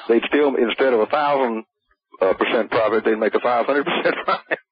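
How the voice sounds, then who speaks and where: Husky man on a clipped phone line. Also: medium pitch, dry recording. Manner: halting, asks step by step. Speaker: caller. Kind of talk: call-in question to a radio host. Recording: dull phone line on radio.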